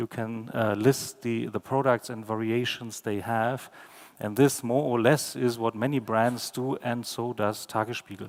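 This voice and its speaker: With a German accent, a man talks at a moderate pace in a medium pitch and fairly even intonation. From Germany. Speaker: newspaper publisher. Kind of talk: conference talk. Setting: stage with audience. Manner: hesitant, many fillers.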